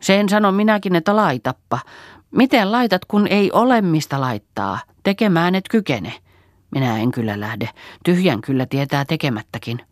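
A woman's voice: low-pitched, big pitch swings, no echo, clean studio sound, pitched above the performer's own voice. A woman voicing a curt, stubborn rural man in an audiobook.

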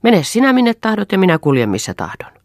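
A woman's voice: medium pitch, very animated, dry recording, clean studio sound, voice pushed up. A woman reading the part of an irritable, dismissive husband in an audiobook. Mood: curt. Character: cold, irritable husband Eero.

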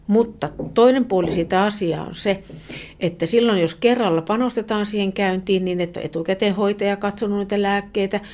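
A woman professor, a guest on a radio interview, explaining earnestly with many fillers and restarts, often trailing off softly. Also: medium pitch, steady tone.

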